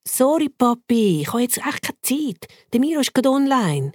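A young girl pleads brightly in a high Swiss German voice that swings all over, as a woman acts her out. There is a touch of breathiness, and the sound is close and dry. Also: very animated, moderate pace, no echo. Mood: eager.

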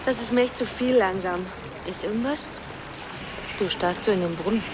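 An actress playing an excitable young woman friend in a radio play, gushing and chatty. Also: medium pitch, moderate pace, very noisy, close to an everyday voice.

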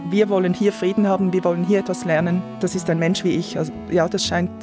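A man, answering interview questions in a hesitant, reflective way and often trailing off softly. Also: sits high, little pitch movement, quick pace, music in the background. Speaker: guest, volunteer program coordinator. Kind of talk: interview conversation.

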